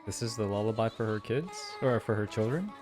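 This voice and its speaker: A man hosting a casual reaction video, thinking aloud in slangy, excitable commentary. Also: lowish voice, fairly quick. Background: faint music.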